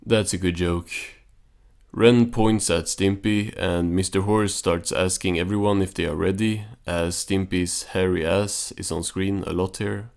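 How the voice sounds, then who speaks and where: A man's voice: low voice, steady tone, measured pace, gravelly, a little mellow. A man giving a casual recap and commentary on a cartoon episode in a dry, understated way. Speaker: video reviewer and narrator.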